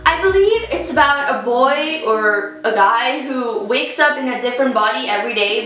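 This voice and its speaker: A teenage girl with an Italian accent chats bubbly to her viewers, her voice high and bright. She sits away from the mic in a very echoey room, with faint music underneath. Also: far from the mic. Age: teens. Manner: chatty, bubbly, addresses viewers directly. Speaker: book vlogger. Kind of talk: casual book haul chat.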